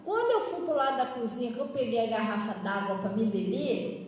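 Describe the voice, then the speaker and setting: In an echoey church hall, picked up by a far-off microphone, a female pastor tells stories conversationally and with animation as she delivers her sermon. Her voice is slightly high and a bit quick, with faint hiss or hum in the recording.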